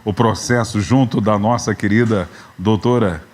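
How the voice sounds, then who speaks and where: Fifties São Paulo pastor hosting. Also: male voice, on the low side, steady tone, normal speed, a little hiss or hum. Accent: Brazilian Portuguese, São Paulo. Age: 50s. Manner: warm greetings, stretched out and raised. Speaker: pastor and program host. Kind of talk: live church webcast chat. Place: church building.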